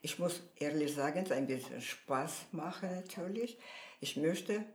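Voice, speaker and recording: A woman, a podcast guest speaking lively German with grammar. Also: low voice, normal speed, reverberant. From Georgia. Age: 80s. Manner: lively, non-native grammar, upbeat and proud. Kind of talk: casual interview chat.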